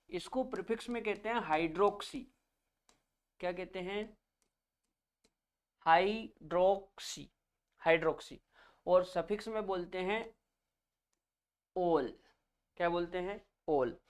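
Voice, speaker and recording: A man's voice: high-pitched, slow pace, long pauses. A male chemistry teacher giving a classroom lecture, naming each term, then asking students to repeat it back, calling them children.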